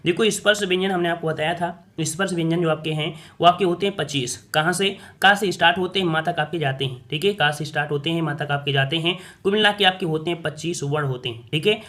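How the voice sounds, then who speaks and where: A man's voice: on the high side, fast, few pauses, pushed and bright. A man teaching a spoken quiz lesson for exam coaching, repeating questions and answering them himself. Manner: repetitive, asks and answers his own questions.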